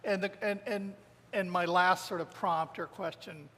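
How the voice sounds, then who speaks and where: A man's voice: sits high, fairly even intonation, unhurried, bright, forceful tone. A man moderating an on-stage conversation, asking long, hesitant questions and inviting the audience to ask. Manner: rambling, hesitant phrasing. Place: lecture hall with audience. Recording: reverberant hall, faint noise.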